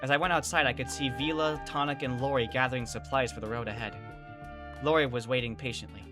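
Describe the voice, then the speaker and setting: An actress playing a bewildered, exasperated kid, telling the story in dramatic first person in an audio drama. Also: female voice, extremely low pitch, steady tone, fast, music in the background. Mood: brooding, narrating. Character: bewildered, exasperated young kid narrating an apocalypse ordeal.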